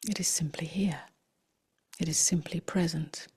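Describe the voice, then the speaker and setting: A woman meditation teacher leading a guided contemplation in a gentle, breathy, near-whispered voice, unhurried and with long pauses. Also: low-pitched, steady tone.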